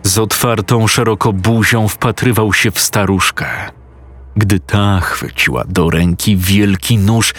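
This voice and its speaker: Low husky male horror narrator. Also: a little slow. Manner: steady, suspenseful storytelling. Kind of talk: scripted horror story narration. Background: faint music.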